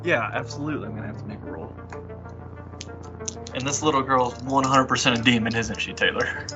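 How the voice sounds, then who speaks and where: A man's voice: medium pitch, a little fast, highs cut off, music in the background. A man playing in a tabletop roleplay game, chatting casually and speaking for his character. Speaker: player in a tabletop roleplay podcast.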